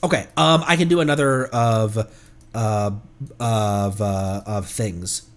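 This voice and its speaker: A man doing casual live gaming commentary as a streamer, talking in an excitable, rambling way. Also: lowish voice, takes it slowly, clean tone. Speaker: game streamer.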